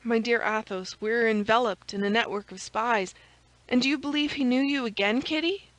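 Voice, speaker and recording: A woman storyteller plays a gallant young musketeer from a classic adventure book. He is brisk and sure of himself, giving orders and coaxing by turns. The recording is dry and close. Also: a little high, fairly bright tone, no echo, natural voice, poor audio. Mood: urgent.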